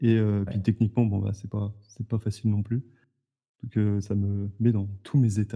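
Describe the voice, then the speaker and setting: Recorded with a dry, close sound and no echo, a man with a fairly low pitch and a dark, mellow tone speaks at a moderate pace, somewhat breathy and in a monotone, flat intonation. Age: 20s. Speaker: podcast host and musician. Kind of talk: casual chat.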